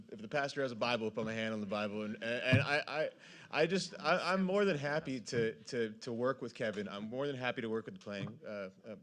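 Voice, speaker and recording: A man making a halting, unscripted appeal as an applicant at a public meeting, often repeating words. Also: fairly low pitch, fairly bright tone.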